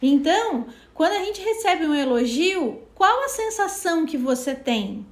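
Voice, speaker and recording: A woman's voice: very high-pitched, unhurried, reverberant. A woman co-hosting a self-help live talk, casually explaining and acting out little dialogues. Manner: animated, acts out little dialogues. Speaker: co-host of a self-knowledge live.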